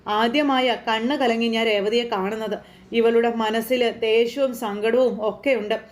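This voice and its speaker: A woman voicing a kindly temple priest who gives slow, calm, reassuring advice to a young couple. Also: on the high side, close to an everyday voice. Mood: gentle.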